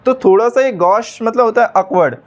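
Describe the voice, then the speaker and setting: High-voiced man teaching vocabulary. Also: brisk. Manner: explains word by word, repeats terms, frequent "ठीक है" and "guys". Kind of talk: online exam-prep lesson.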